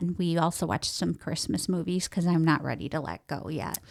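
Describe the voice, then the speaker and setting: Speaking fairly quickly with a Midwestern accent, a woman keeps a fairly low pitch and fairly even intonation, with vocal fry in her voice. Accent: Midwest. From US Midwest. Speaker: podcast co-host. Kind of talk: casual chat.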